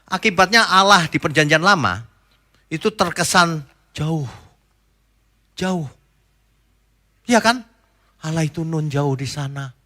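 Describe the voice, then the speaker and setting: Male pastor, bright tense tone, chatty sermon, loud points then quiet asides, rhetorical questions to the flock. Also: lively intonation, slow, pauses often. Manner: conversational preaching, swings between loud emphatic points and soft low asides; asks the congregation rhetorical questions.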